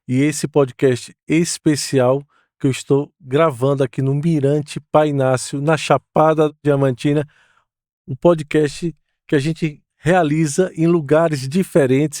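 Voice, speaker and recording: A man's voice: fairly high pitch, a little mellow, no echo, studio quality. Enthusiastic male podcast host. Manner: enthusiastic, welcoming. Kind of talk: podcast interview hosting.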